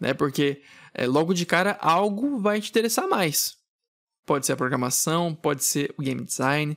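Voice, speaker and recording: This man has an unremarkable speaking voice, fairly high in pitch. His intonation is lively and his pace moderate. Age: 20s. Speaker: game developer and podcast host. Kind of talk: solo podcast monologue.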